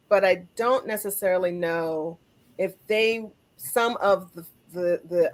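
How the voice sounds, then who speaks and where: A woman hosting a conversational interview podcast, speaking reflectively and building her thoughts step by step. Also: medium pitch. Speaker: podcast host.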